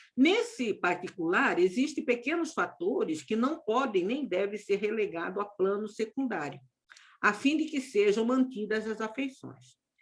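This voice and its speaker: In a normal speaking voice, a woman talks fairly slowly at a fairly high pitch with lively intonation. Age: 60s. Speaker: spiritist study group teacher. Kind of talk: study group class discussion; reading aloud.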